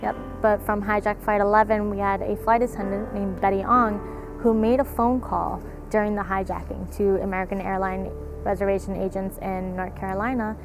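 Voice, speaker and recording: A woman explaining history in an interview in a measured, explanatory way, like an educator. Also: mid-range voice, flat delivery, creaky, music in the background, poor audio.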